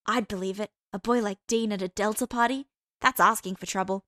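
A woman voicing an excitable, gossipy young college woman who talks in high, breathless bursts. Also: a little fast, no echo, studio quality, lightly acted. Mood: excited gossip.

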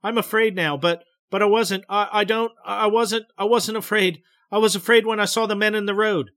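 A man's voice: high voice, fairly bright tone, no room sound, studio quality, pitched above the performer's own voice. Man voicing a sobbing frightened woman. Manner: halting, stammering, breathless. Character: frightened woman reliving a memory under hypnosis.

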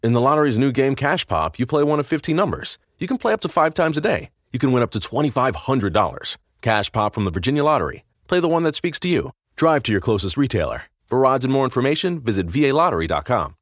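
A man's voice: mid-range voice, big pitch swings, fast, few pauses, dry recording, studio quality. A man reading a scripted commercial as an advertising voice-over.

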